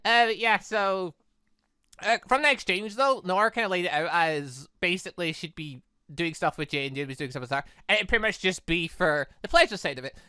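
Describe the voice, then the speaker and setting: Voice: medium pitch, fairly quick, pushed and bright, clean tone, no echo, clean studio sound. A chatty gaming video creator rambling casually through a visual novel let's play, often getting side-tracked.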